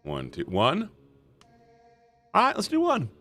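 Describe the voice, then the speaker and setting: A man streaming a story game, reading the text aloud and chatting playfully with his viewers in an animated way. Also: high voice, slow. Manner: animated, playful, shouting at times. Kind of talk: reading a visual novel aloud to chat.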